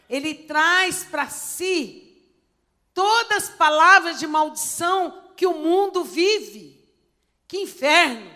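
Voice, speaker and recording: A middle-aged woman pastor with a Brazilian Portuguese accent, preaching a sermon with expressive swings between loud emphasis and quiet asides. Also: a little high. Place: church service.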